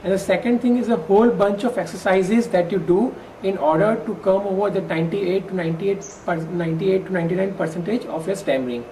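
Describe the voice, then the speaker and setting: A woman with an Indian English accent, a workshop participant who stammers, explaining in a measured way with occasional stammered restarts. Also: mid-range voice, mellow, slight background noise, low-quality recording. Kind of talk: exit interview, explaining in earnest.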